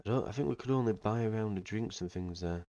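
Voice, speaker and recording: Give me a low-voiced man with a slight cold, rambling casually through a let's play. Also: fast, warm tone, no room sound, lo-fi sound. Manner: chatty, rambling, with fillers. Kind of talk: casual gameplay commentary.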